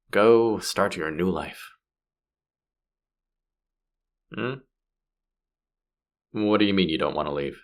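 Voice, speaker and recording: A man playing a gruff, sardonic space pirate who is grudgingly softening, in a scripted sci-fi audio roleplay spoken to the listener. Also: low-pitched. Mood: dry, brusque. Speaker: voice actor.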